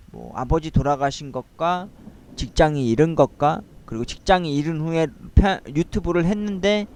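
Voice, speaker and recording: A man talking alone into a cheap desktop microphone at his home computer, rambling and hesitant with many drawn-out fillers. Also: a little high. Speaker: vlogger. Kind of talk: casual solo monologue.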